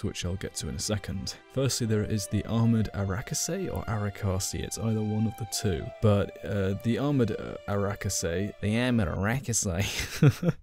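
A man's voice: fairly low pitch, darkish tone. A man narrating a video game lore explainer in a casual way, adding dry joking asides. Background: faint game soundtrack music.

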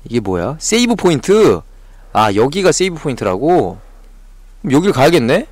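A man's voice: fairly high pitch, big pitch swings, normal speed, darkish tone, no echo. A male game streamer giving frantic live commentary on a horror game, jumpy and swearing at the scares.

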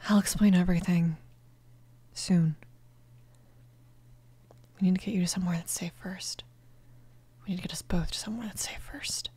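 A woman performing a young female mafia boss in an intimate ASMR romance audio drama. Her voice is husky and breathy, often slipping toward a whisper. She is commanding and fiercely protective, with a soothing tenderness. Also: on the low side, fairly even intonation, moderate pace, long pauses, dark tone, dry recording. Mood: tender, reassuring.

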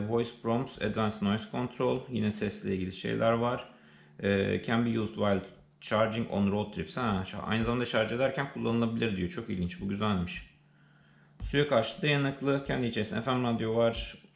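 A man's voice: fairly low pitch, vocal fry. A man with a Turkish accent giving casual, unscripted unboxing commentary, thinking aloud hesitantly as he goes. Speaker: unboxing presenter. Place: indoors, living room. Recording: roomy, echoey sound with faint noise.

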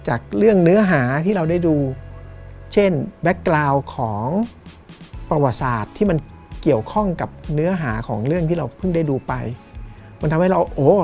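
Middle-aged Thai man, cinema owner, reflective interview, gravelly low-key voice, faint music bed. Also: warm tone. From Thailand. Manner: thoughtful, unhurried, with fillers and restarts. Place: small cinema in front of a screen, indoors.

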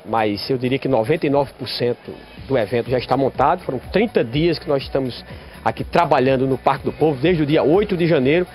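A man in his forties, a pastor and event organizer, speaking in a live TV interview at an outdoor venue in a measured, explanatory and inviting way. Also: medium pitch, darkish tone, faint music behind. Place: outdoor event venue under a large tent roof. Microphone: handheld reporter microphone.

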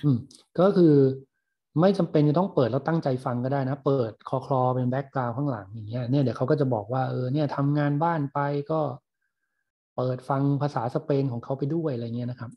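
A man with a husky, slightly breathy voice teaches a recorded online class. He explains words patiently and pauses to gloss them. The recording sounds dull and lo-fi. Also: medium pitch. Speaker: university lecturer.

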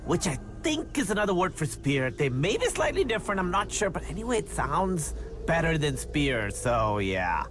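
A goofy orc in a video game. He rambles through uncertain asides with a lively, moving pitch. There is plenty of noise behind the voice. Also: normal speed. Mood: sheepish rambling. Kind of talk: comic video game acting. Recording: loud noise behind distant voice.

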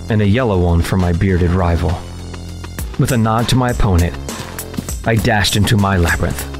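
A low-voiced working man, played by an actor, recounts his ordeal in a deadly horror drama. He narrates in the first person, tense and determined, with prominent music underneath. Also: lightly acted. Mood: grim, urgent.

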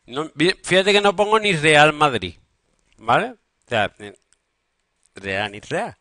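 A man's voice: a little high, animated, takes it slowly, pushed and bright, no echo, studio quality. A man teaching English grammar in a classroom, teasing and bantering with his students. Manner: banters and teases students, joking about football. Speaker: secondary school English teacher. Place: school classroom.

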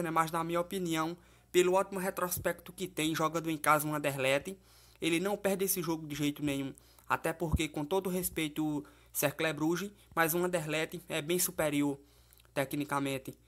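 A man's voice: fairly high pitch, fairly bright tone. A man giving casual football betting tips in a voice-over, chatty and loose, often tagging lines with "né?" and calling viewers "família" and "galera". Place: voice-over, not recorded in the pictured place.

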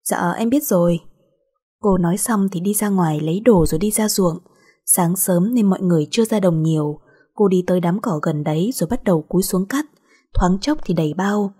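A woman reading a short romance story aloud as the narrator, in a steady, even storytelling manner. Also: on the low side, fairly quick, slightly rough.

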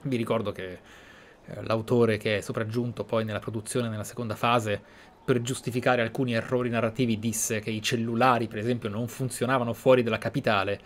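A man's voice: mid-range voice, level tone, a little fast, slight background noise. A man with an Italian accent giving let's play commentary in a reflective, discursive way. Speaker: gaming commentator. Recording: game ambience faintly behind the voice.

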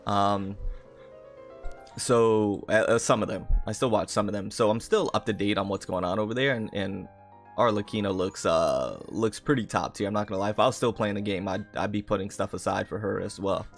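A man livestreams with easygoing gaming chat, greeting viewers and repeating his phrases often, while background music plays. He talks at a moderate pace in a fairly low voice.

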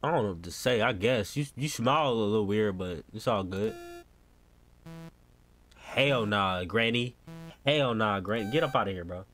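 A man's voice: on the low side, lively intonation, moderate pace, long pauses, a bit bright, soft background music. A young American man doing casual, slangy game reaction commentary as a streamer, often exclaiming. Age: young adult. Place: indoor room at home.

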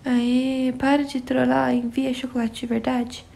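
A young woman from Brazil with a São Paulo accent hosts a relaxed phone livestream, greeting viewers by name as she reads their comments. Her voice sits high but barely moves, with a gravelly edge. She speaks slowly, with a faint hiss behind her. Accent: São Paulo Portuguese. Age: young adult. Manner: laid-back, answers viewers by name. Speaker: livestream host. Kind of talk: casual live chat reading viewer comments.

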